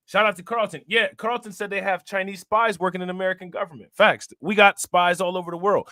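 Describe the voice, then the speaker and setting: A man's voice: sits high, no echo, clean studio sound. A man hosting a livestream, casually reacting to a news clip, joking, laughing and reading out chat comments. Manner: joking, laughing, repeats himself, reads chat shout-outs.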